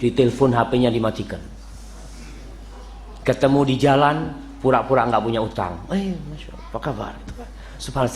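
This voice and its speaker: A man preaching a lively morning sermon in a mosque, mixing jokes with recited Arabic verses. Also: a little high. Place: mosque hall. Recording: roomy mosque echo.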